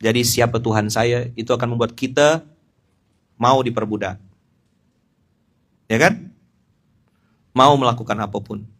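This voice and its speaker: A middle-aged man, giving an informal sermon in an animated, joking way and speaking straight to his listeners. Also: mid-range voice, unhurried, long pauses. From Pontianak, West Kalimantan. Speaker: Islamic preacher.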